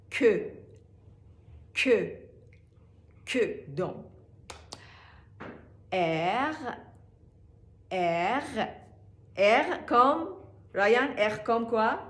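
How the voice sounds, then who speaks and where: A woman teaching a language lesson in a casual way, saying each word slowly and repeating it. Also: medium pitch, reverberant. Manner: repeats words slowly and clearly. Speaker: French teacher.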